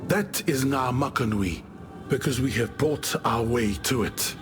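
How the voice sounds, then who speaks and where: An actor playing an easygoing tribal warrior chieftain from the islands, telling tales in a wry, expressive way as video game dialogue. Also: male voice, mid-range voice, unhurried, natural voice. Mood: patient explaining. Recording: music behind the voice. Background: game music.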